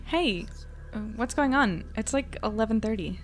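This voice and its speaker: A woman's voice: a little high, lively intonation, moderate pace, faint music behind, lightly acted. An actress playing a guarded young woman in a naturalistic audio drama, hesitant and understated. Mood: puzzled. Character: guarded young woman, new in town, independent.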